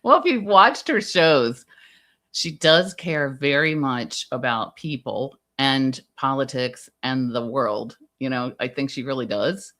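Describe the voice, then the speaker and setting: Very low-voiced chatty woman. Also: fairly bright tone. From Guatemala. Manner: chatty, agreeable, quick back-and-forth. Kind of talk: casual livestream chat.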